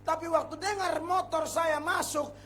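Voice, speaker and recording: A male pastor preaching a revival sermon, telling a personal story with hushed asides and sudden shouts. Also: very high voice, moderate pace, faint music behind. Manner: animated storytelling, acts out scenes, shifts between hushed and shouting. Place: large revival meeting.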